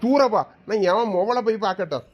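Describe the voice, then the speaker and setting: A man playing a soft-hearted village father who coaxes and defends his daughter. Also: sits high, expressive, fairly quick, lo-fi sound, slight background noise. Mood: coaxing. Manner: coaxing, pleading. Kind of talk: comedy skit acting.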